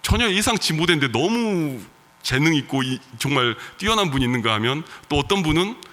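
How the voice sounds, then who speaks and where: Bright-voiced pastor with regional accent. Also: male voice, a little high, lively intonation, brisk, in a large hall. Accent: regional Korean dialect. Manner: conversational preaching with soft laughs and fillers. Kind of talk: sermon. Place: church sanctuary.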